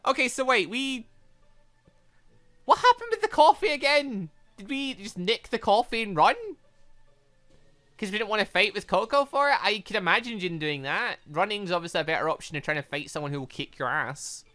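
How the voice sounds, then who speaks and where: A man's voice: sits high, animated, moderate pace, bright, forceful tone. A man doing let's-play commentary on a game, rambling and thinking aloud as he goes. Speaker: gaming video host.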